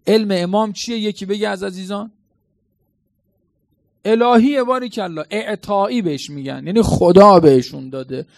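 Male preacher, colloquial sermon, dramatic storyteller, gravelly tone, dry close sound. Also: high-pitched, dry recording. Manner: dramatic, quizzes the congregation.

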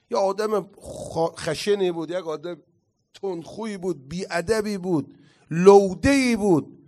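A man giving an impassioned religious lecture as a cleric, reciting Arabic quotations slowly and swinging between loud declaiming and quiet asides. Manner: impassioned, rising to loud declaiming then dropping low.

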